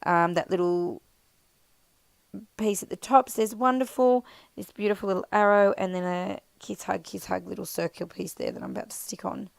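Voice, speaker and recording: A woman with an Australian accent and a croaky, scratchy voice from being sick, chatting casually as she narrates her crafting. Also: mid-range voice, fairly even intonation, normal speed, dry recording. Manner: chatty, rambling, self-deprecating, many fillers. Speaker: scrapbooking vlogger.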